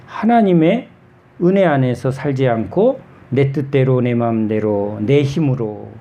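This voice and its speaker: A man's voice: mid-range voice, dark tone, dull audio. A middle-aged male pastor preaching a sermon in a conversational way, often putting questions to his congregation.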